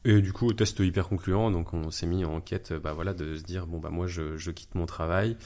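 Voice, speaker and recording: Thirties man, deep voice; laid-back, hesitant interview guest. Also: moderate pace. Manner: relaxed, hesitant with many fillers. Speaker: guest, wedding videographer. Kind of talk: casual interview chat.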